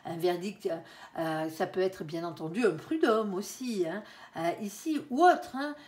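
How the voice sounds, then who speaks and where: A woman's voice: mid-range voice, unhurried, darkish tone. A woman giving a casual tarot reading to viewers, chatty and direct, filling her talk with little tags and calling on her angel between cards. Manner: chatty, sprinkles talk with "hein" and "alors". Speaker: tarot card reader.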